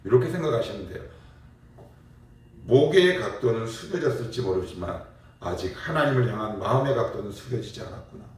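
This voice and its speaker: A man preaching a morning prayer sermon as pastor, explaining with rhetorical questions and acting out everyday dialogue. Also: lowish voice. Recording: very echoey, mic far off.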